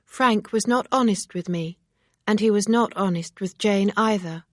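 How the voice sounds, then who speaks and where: A woman's voice: medium pitch, normal speed, no room sound, clean studio sound, voice pushed up, natural voice. A woman reading a story aloud, voicing a proper young lady who speaks earnestly in precise, formal phrasing. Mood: disapproving.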